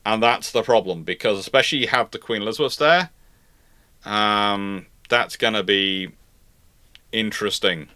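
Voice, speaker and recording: A man hosting a live naval history Q&A, reasoning aloud in a halting way and often repeating and reworking his phrases. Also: fairly low pitch, pushed and bright, no echo. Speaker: host answering viewer questions.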